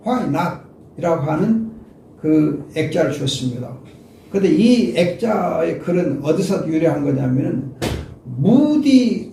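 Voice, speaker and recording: Older male pastor, high mellow voice, emphatic expository preaching, echoey room, set back from the mic. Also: gravelly, distant mic, slight background noise. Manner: emphatic preaching, addresses listeners directly. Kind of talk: expository sermon.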